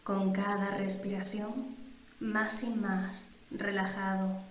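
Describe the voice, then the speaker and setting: A woman guiding a meditation in calm, measured instructions with pauses between phrases. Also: medium pitch, slight background noise. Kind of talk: slow, soothing guided meditation. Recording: roomy, echoing sound.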